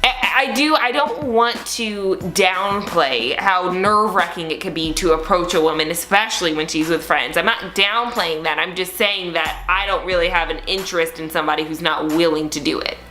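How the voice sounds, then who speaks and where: A woman's voice: fairly low pitch, moderate pace, hardly any pauses, pushed and bright, roomy sound, soft background music. A young woman co-hosting a podcast, giving frank, slangy advice in a casual, emphatic way. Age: young adult. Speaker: podcast co-host.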